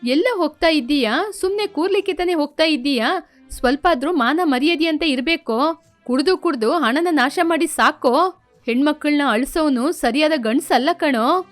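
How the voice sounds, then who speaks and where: Woman as harsh older mother-in-law, scolding and lamenting, storybook voice, high. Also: normal speed, faint music behind, close to an everyday voice.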